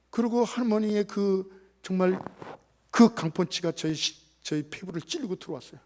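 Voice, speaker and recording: Animated high-voiced man preaching a sermon. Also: gravelly. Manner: animated, acts out quoted family members in voices. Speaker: pastor. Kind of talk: sermon with personal storytelling.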